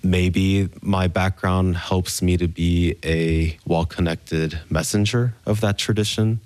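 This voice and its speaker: A young man from Memphis speaks in a very deep, low voice, weighing his words with care. The sound is dry and close, with no room ring, as he answers questions in a radio studio. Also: a little mellow, dry recording. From Memphis, Tennessee, USA. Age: young adult. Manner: measured, thoughtful explaining. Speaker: concert pianist. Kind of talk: reflective interview answers.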